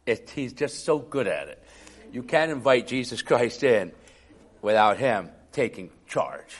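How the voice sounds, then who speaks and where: A man preaching a sermon in a conversational way, with a raspy, hoarse voice from a cough and chuckling asides. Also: mid-range voice, very animated, unhurried.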